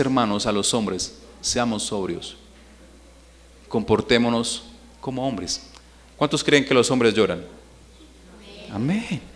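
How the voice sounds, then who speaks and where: A man's voice: medium pitch, a bit bright. A man, preaching a Sunday sermon in church and putting questions to the congregation. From Colombia. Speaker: pastor.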